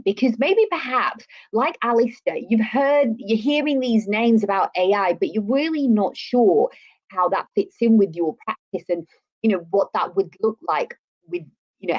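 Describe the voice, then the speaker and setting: A woman's voice: mid-range voice, highs cut off. A woman co-hosting a live show in a chatty, effusive way, repeating words for emphasis. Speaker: show co-host.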